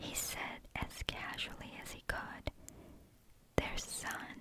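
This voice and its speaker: A woman whispering at a very slow pace amid noticeable background noise. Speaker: ASMR reader. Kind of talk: ASMR book reading for sleep. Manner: soft-spoken, whispering.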